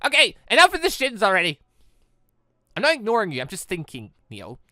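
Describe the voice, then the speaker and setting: A man commentates casually over a video game in a bright, forceful voice. His pitch jumps around in an animated way as he reacts out loud. The sound is close and dry, with game music underneath. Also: a little fast, no room sound. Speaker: video game let's player. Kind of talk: casual let's play commentary, reading visual novel dialogue aloud.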